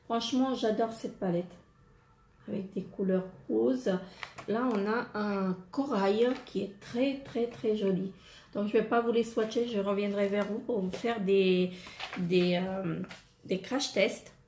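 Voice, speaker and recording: A woman's voice: mid-range voice, fairly even intonation, measured pace, dark tone. A woman presenting makeup palettes in a casual unboxing vlog, hesitant and full of fillers and repeated words. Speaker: beauty vlogger. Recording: echoey room, faint noise. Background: wind noise.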